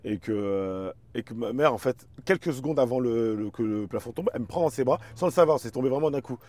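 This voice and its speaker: A man's voice: mid-range voice, animated, a little fast, a little mellow. A man, talking casually and reflectively as an interview guest, often repeating words as he searches for phrasing. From Paris suburbs, France. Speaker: interview guest, chess teacher and performer.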